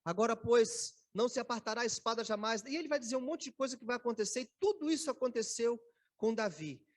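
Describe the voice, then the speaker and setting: A Brazilian man preaching a sermon as pastor in a church, animated, acting out scripture and calling on listeners by name. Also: very high voice, fast talker. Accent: Brazilian Portuguese. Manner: acts out biblical speech dramatically. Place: church sanctuary.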